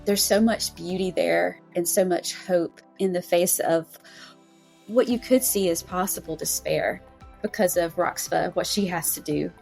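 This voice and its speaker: A woman's voice: lowish voice, unhurried, vocal fry, a little mellow, husky, faint music behind. A woman hosting a podcast interview, talking casually and effusively. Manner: effusive, gushing. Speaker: podcast host and anthology editor.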